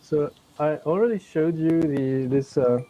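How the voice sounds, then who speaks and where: A man chatting casually as a guest on a video call, talking hesitantly in halting bits while his audio sounds muffled and underwater. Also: a little high, mellow. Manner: hesitant, halting speech full of fillers. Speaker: guest on an online repair show. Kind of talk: casual chat.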